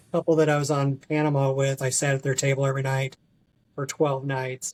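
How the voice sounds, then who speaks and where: A man speaks in a somewhat breathy voice. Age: 60s. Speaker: cruise travel advisor. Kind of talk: podcast interview.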